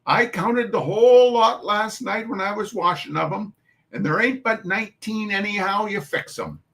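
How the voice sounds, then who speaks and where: A man's voice: sits high, creaky, a bit bright, pitched above the performer's own voice. A man voicing a bustling, bossy mother of a big poor family, with an attempted urban Irish dialect. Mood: brisk. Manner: brisk, ordering people about. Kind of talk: storybook reading.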